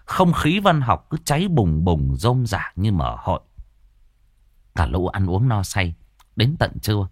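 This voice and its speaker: Lively male storyteller. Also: fairly low pitch, unhurried, no room sound. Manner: lively, mocking. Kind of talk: comic folk tale narration. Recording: dry close voice.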